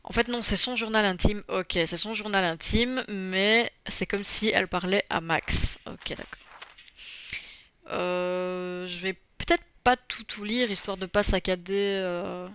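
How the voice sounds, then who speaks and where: A woman's voice: mid-range voice, fairly even intonation, a little slow, fairly bright tone, a little hiss or hum. A woman streaming a video game and commenting casually, hesitating often and correcting herself. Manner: hesitant, many fillers and self-corrections. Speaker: gameplay streamer.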